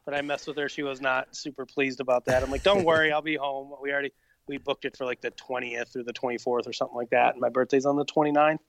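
Gravelly-voiced man in his late thirties. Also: mid-range voice, level tone, quick pace, fairly bright tone. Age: 30s. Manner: easygoing, rambling with frequent fillers. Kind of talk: casual chat.

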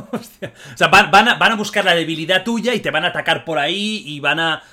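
A man with a Spain Spanish accent hosts an interview, asking quick, curious follow-up questions. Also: fairly high pitch, pushed and bright. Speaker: podcast host. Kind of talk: casual interview.

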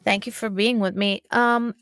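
A woman with a mid-range voice hosts an interview. She asks her questions in a measured, deliberate way with some pauses, and faint music plays behind her. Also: mid-range voice, fairly even intonation, a bit bright, no echo. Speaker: podcast host. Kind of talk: hosted interview.

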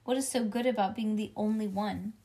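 Storybook little girl, performed by a woman: stubborn, whiny, excitable, indignant, with childish grammar. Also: mid-range voice, brisk, natural voice. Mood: sulky, snapping.

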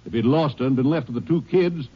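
A man's voice: medium pitch, fast, breathy edge, natural voice. A man playing a defensive, belligerent store owner under suspicion in a 1950s radio drama, indignant and argumentative, on a muffled old radio recording.

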